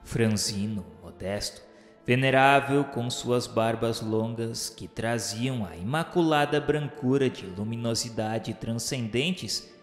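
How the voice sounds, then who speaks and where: Slow, echoing Brazilian male narrator. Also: mid-range voice. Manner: formal, declamatory, measured. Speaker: narrator of a radio novela. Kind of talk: solemn, literary scripted narration. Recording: echoey hall-like reverb under music. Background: music.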